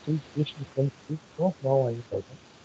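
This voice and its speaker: A man's voice: mid-range voice, normal speed, warm tone, a little hiss or hum. Man on a choppy, breaking-up video call. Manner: chatty, peppers speech with tag questions. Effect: choppy, breaking-up internet call audio. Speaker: study group leader. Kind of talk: casual commentary on a book reading. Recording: muffled lo-fi call audio.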